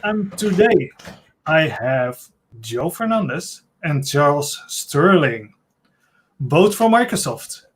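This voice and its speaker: A man hosting a live online talk, his voice sitting a touch higher than most men's. He greets viewers and hands over to guests with short, friendly questions, heard through a webcam mic on a video call from a room at home. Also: sing-song, slow pace, husky. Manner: friendly, brief prompting questions. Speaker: host. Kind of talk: casual livestream talk.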